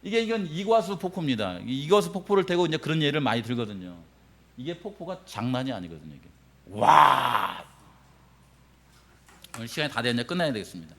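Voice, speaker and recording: A middle-aged man preaching a sermon as pastor, animated, acting out quoted reactions and laughing often. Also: fairly high pitch, fast.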